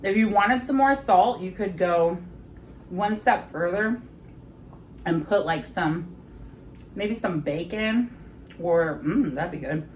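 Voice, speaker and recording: A woman in her thirties chatting casually in her home kitchen as she tastes her food, often pausing to savor it with soft hums. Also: lowish voice, slight background noise, rough recording. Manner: chatty, savoring bites with frequent mm sounds. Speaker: home cooking vlogger. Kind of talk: casual chat while tasting food.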